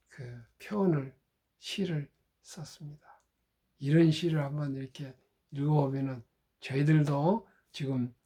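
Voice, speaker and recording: A man hosting his own channel, giving a deliberate solo talk on health in short, measured phrases with pauses. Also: fairly high pitch, warm tone, breathy edge. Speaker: channel host.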